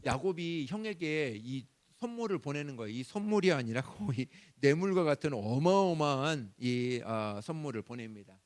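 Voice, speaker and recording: A male pastor preaching a Sunday sermon, animated, acting out prayers in a raised voice. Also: fairly high pitch, moderate pace, hardly any pauses. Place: church sanctuary.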